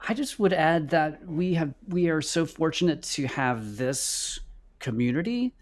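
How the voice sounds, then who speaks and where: A man co-hosting a casual livestream, speaking haltingly and repeating words as he goes. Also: fairly high pitch, expressive. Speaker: show co-host.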